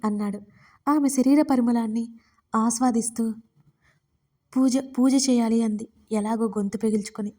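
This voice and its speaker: A woman narrating a romantic audio story in a steady, even reading voice. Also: on the high side. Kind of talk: scripted narration.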